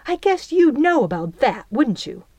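A woman's voice: medium pitch, sing-song, takes it slowly, a little mellow, no echo. A woman voicing a stubborn young girl leader who speaks in a cool, cutting way.

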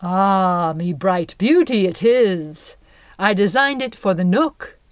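A scheming young giant who lays on the charm with a theatrical, coaxing delivery, a bit louder than plain narration, as a woman reading a storybook puts him on. The pace is slow, and the sound is close and dry. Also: mid-range voice, expressive, no echo. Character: scheming young male giant, falsely sweet.

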